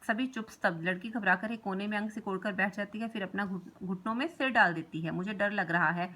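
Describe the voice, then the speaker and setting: A woman's voice: medium pitch, quick pace, sharp tone. A woman reading a school play aloud for class, plainly naming each speaker and the stage directions. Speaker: reader of a school text.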